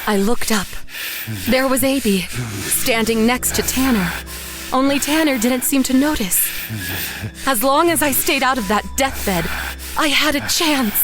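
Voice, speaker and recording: An actress playing a haunted woman painter who narrates horror in a measured, literary way. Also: high voice, music in the background. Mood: uneasy, haunted. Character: haunted woman painter narrating her own murder, dazed and grim. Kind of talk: first-person horror audio drama narration.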